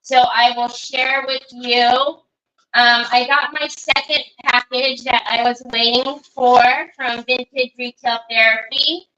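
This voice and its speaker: A woman's voice: on the high side, flat delivery, slow pace, bright, forceful tone, dull audio. A woman hosting a casual craft livestream, chatting along and greeting viewers by name as she works. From Northern California. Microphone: computer mic on a livestream.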